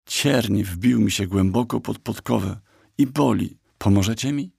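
A man's voice: on the low side, measured pace, gravelly, a little mellow, slightly rough, no echo, clean studio sound, heavily acted. A man voicing a small, cheeky and boastful black talking horse in an audiobook, telling a tale slyly and mockingly. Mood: pleading. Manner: sly, mocking storyteller. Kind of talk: audiobook character voice.

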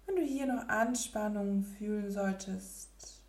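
A woman leading a guided relaxation meditation in a soft, breathy, near-whispered spa voice with gentle pauses. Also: medium pitch, roomy sound. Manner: slow, gentle, with long pauses.

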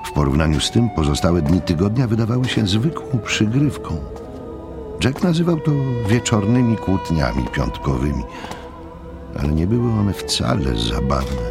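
Super deep guy narrating an audiobook, lots of gravel in the voice, music behind him. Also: sing-song, normal speed.

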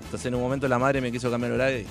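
An Argentine man with a Rioplatense accent rattles through football stories at a rapid clip. He is excitable and acts out what other people said in his anecdotes, his voice sitting at an ordinary pitch. Faint music plays beneath. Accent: Argentine Rioplatense Spanish. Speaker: co-host. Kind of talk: casual football chat.

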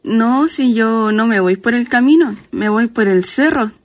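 A woman's voice: fairly high pitch, animated, a little slow. A woman with a Chilean accent playing a folksy, chatty countrywoman ghost who is fond of a drink, in a radio drama. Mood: polite farewell. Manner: folksy, chatty, affectionate diminutives.

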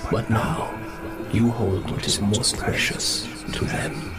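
An actor playing an ominous ancestral spirit, giving solemn, portentous warnings in a horror audio drama. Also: male voice, on the low side, steady tone, slow. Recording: loud music over the voice.

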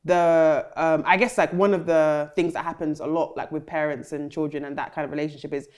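Chatty podcast host woman, lowish voice. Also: steady tone, a little fast, a little mellow. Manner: chatty, searching, lots of "um" and "like" while framing questions. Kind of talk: casual interview chat.

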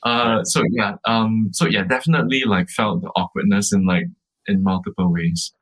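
Man, startup co-founder, interview guest, halting speech, many fillers, husky, lowish. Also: steady tone, a bit bright, low-quality recording. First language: English. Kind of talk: casual interview answers.

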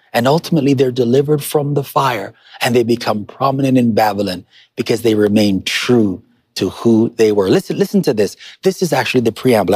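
A man's voice: medium pitch, darkish tone, breathy edge, no echo. A man preaching a motivational sermon as a pastor, speaking emphatically and instructing listeners directly, repeating key phrases for weight. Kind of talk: motivational sermon to an online congregation.

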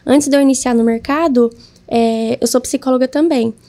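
A woman's voice: high-pitched, steady tone, normal speed, dark tone. A woman, a guest entrepreneur, telling her story in a casual interview and acting out her own past words.

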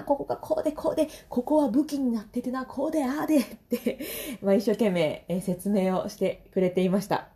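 Kansai woman in her thirties, podcast host; mellow tone, pitch swinging all over, chatty with frequent laughs. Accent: Kansai Japanese. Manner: chatty, laughs often between phrases. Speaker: podcast host and vocal trainer. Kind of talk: casual solo podcast talk.

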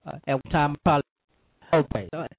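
A man hosting a call-in interview, halting and repeating words as his phone connection keeps breaking up. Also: fairly high pitch, breathy edge. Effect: phone line breaking up. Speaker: radio show host. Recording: tinny dry phone line.

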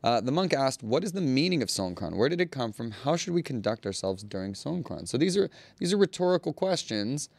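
A man's voice: mid-range voice, sing-song, a little fast, few pauses, no echo. A man co-hosting a casual news show, easygoing and thinking aloud with many fillers.

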